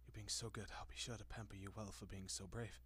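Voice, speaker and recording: Man playing a husky, genteel old vampire. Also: fairly low pitch, flat delivery. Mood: tender, indulgent. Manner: genteel, softly coaxing, lingering pauses. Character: centuries-old male vampire, doting, courteous, possessive, refined. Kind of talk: intimate roleplay audio acting.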